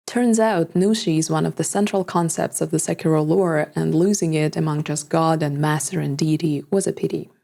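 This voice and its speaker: A young woman narrates her own scripted video essay, calm and reflective. Her voice sits low and carries a gravelly fry, with a dark, mellow tone. English is not her first language. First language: neither English nor Japanese. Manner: measured, reflective, articulate.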